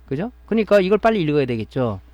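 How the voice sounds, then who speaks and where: A man lecturing on electronics repair, walking through each step and often checking that listeners follow. His voice sits a little high for a man. The sound is dry and close, with no room echo. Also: big pitch swings, fast, a little mellow, highs cut off. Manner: explaining step by step, often adding a tag question to check understanding. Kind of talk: classroom-style technical lecture.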